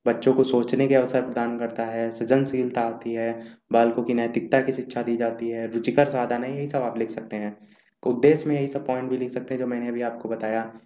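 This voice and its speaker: Scrolling through his notes on a screen recording, an exam-prep teacher gives an online revision lecture, listing points and repeating key terms. His voice is medium in pitch and dark in tone, and the sound is roomy.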